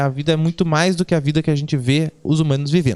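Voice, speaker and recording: The man's voice sits at a fairly high pitch. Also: dry, close sound with no echo. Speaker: spiritual teacher. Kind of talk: spiritual talk to online members. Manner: halting, self-correcting.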